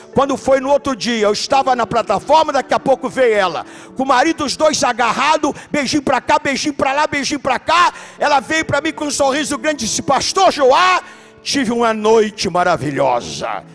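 A man with a Brazilian Portuguese accent, a pastor telling stories in an animated sermon and shouting at key points. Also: very high-pitched, a little fast, soft background music. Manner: animated preaching, shouts for emphasis. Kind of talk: sermon with storytelling. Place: church.

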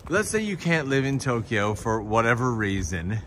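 A man chatting easily as he walks through city streets, answering viewers' questions in a relaxed, talkative way. His voice sits at an ordinary middle pitch. Traffic and street noise run clearly behind him. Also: moderate pace. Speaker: vlogger and livestream host. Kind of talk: casual walking livestream chat. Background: street ambience and passing vehicles.

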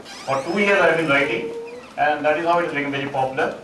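A middle-aged man with an Indian English accent gives a halting conference talk as a psychologist, full of uh fillers and restarts, on a large auditorium stage. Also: fairly high pitch. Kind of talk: conference presentation. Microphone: distant room mic, speaker standing on stage. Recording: echoey auditorium, far from mic, noisy.

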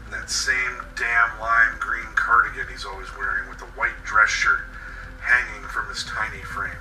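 A man's voice: lowish voice, steady tone, moderate pace, far from the mic, close to an everyday voice. A man reading a horror monologue as a bitter, vengeful captive, brooding and sardonic as he confesses. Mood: grim, determined. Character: bitter, vengeful male captive with anger issues. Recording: roomy echo, set back from mic. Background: music.

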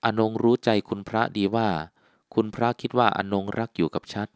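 A man reading the lines of an earnest, devoted young woman in an audiobook, speaking softly and sweetly. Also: on the low side, flat delivery, fairly quick, clean tone, no room sound, clean studio sound, close to an everyday voice. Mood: tender. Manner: soft, gentle and sweet.

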